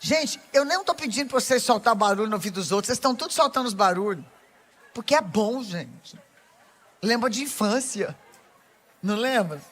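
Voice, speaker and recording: Her voice a little high and her pace brisk, a woman with a Brazilian Portuguese accent gives an energetic sermon to women. She teases them playfully and speaks right to the crowd.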